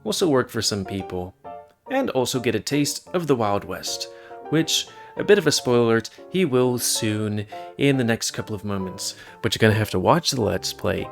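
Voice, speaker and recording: A man with a middle-pitched voice that swings up and down a lot as he chats through gameplay. He rambles and breaks off into side remarks in a loose, easygoing way. Soft game music plays quietly underneath. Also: expressive, moderate pace, gravelly. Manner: rambling, chatty, self-interrupting asides. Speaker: video game commentator. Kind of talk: casual gameplay commentary.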